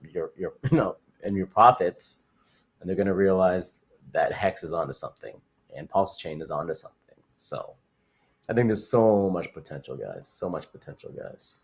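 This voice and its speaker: A young man from Canada hosts a casual livestream, his voice sitting low and deep. He talks in an upbeat, rambling way, circling back on his phrases and padding them with fillers as he reads out viewer comments. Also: lively intonation, moderate pace, breathy edge. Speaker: crypto livestream host.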